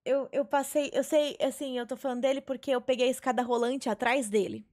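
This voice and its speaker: Her high, steady voice has a darkish tone and moves fairly quickly. Streaming a life-sim game from a small bedroom, the young woman chats with viewers, tells stories and swears now and then, heard through her headset mic on a webcam stream.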